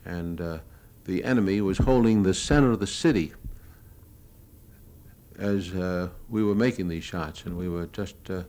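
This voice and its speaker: On a noisy old live talk recording, an American man who worked as a newsreel cameraman narrates his own war footage without a script. He sounds matter-of-fact and hesitant as he remembers, his low, darkish voice unhurried.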